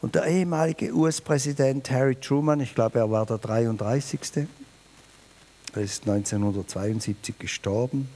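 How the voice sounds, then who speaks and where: A man preaching a New Year sermon, emphatic and lively, speaking directly to his listeners. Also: normal speed. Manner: lively, emphatic, varies pitch and volume, addresses listeners directly.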